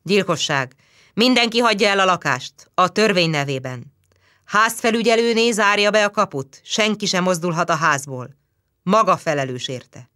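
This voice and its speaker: A woman's voice: fairly low pitch, lively intonation, pushed and bright, no echo, clean studio sound. A woman voicing a stern, burly peasant policeman who barks orders. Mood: commanding. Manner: barking orders.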